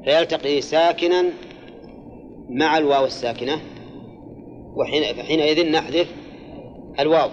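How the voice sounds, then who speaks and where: A man's voice: fairly high pitch, fairly even intonation, moderate pace, pauses often, slight background noise. Older man, classroom lesson, step-by-step explanation, repeats key phrases, asks students questions, dull lo-fi recording. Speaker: teacher of Quran exegesis and grammar.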